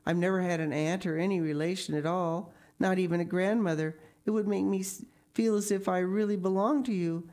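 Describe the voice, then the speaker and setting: A woman's voice: fairly high pitch, lively intonation, unhurried, dark tone, pitched above the performer's own voice. A woman voicing a thin, imaginative orphan girl in a storybook, earnest, effusive and pleading. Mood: wistful.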